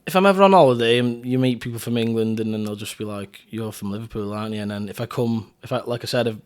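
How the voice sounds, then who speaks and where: A man's voice: medium pitch, fast talker, smooth. A man from North Wales with a North Welsh accent, a singer-songwriter chatting casually as a podcast guest in a rambling, easygoing way. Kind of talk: casual chat.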